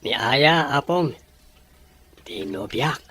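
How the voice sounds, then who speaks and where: Man as dutiful young boyfriend; medium-pitched, polite, placating and a little hesitant, audio drama. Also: lively intonation, slow, a bit bright, breathy edge, full character voice. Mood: cheerful, fond.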